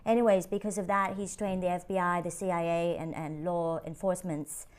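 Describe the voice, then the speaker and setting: A woman's voice: lowish voice, flat delivery, brisk, darkish tone. A woman image consultant answering interview questions, explaining her work in an easy way and laughing often. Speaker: image consultant and lie-detection trainer.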